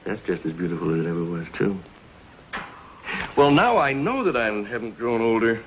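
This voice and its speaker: A man's voice: lowish voice, big pitch swings, normal speed, dull audio, slight background noise. An actor playing a fond, teasing middle-aged father in 1940s radio acting on an old broadcast. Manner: gentle, teasing.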